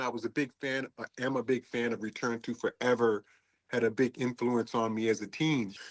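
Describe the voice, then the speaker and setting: The speaker has an American accent and a fairly quick pace. The sound is dry and close, with no echo. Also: man. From Washington DC, US. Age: 60s. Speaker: musician. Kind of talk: interview. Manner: casual, laid-back.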